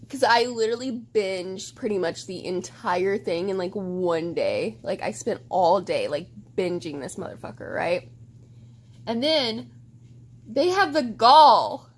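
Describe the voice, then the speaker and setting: A young woman vlogging in casual chat, gushing and swearing freely, with lots of fillers. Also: mid-range voice.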